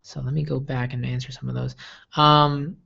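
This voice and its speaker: This young host from the United States rambles through viewer questions on a laid-back livestream, stumbling over fillers and restarting often. He speaks at a moderate pace in a level, medium-pitched voice that sounds gravelly and sharp, though the recording is muffled.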